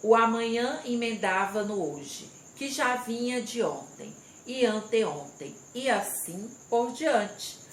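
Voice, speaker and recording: Female schoolteacher, patient and slow, breaks words into syllables; roomy echo, faint insects. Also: a little high, animated. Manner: slow, step-by-step explaining, reading aloud and stressing syllables. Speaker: primary school teacher. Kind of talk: recorded remote class lesson. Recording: echoey room with faint insect noise.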